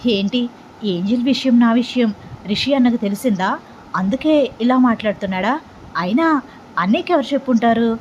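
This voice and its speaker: Picture a chatty young man who grumbles in a playful, whiny way, voiced by a woman narrator. The pitch sits a bit high, with a slightly dull recording and faint hiss. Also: fairly quick, long pauses, a little mellow, lightly acted.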